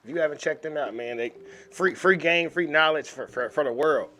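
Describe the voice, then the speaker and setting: Bright and forceful, this man's fairly high voice comes out briskly as he reacts to a video for his YouTube channel. He's from the United States, and his casual, animated commentary is full of repeated and restarted words.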